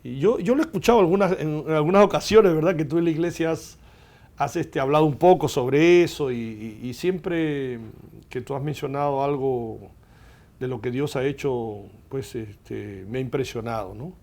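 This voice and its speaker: A middle-aged man hosting a Christian television interview in a studio, effusive and warm, often adding "verdad?". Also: fairly high pitch, normal speed, vocal fry. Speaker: host.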